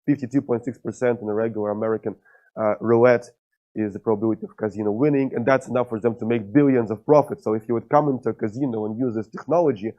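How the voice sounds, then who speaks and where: A man's voice: medium pitch, steady tone, quick pace, warm tone. Russian accent guy giving a science talk, lotsa uhs, kinda dull lo-fi sound. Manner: frequent "uh" fillers, wry humor. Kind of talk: conference lecture.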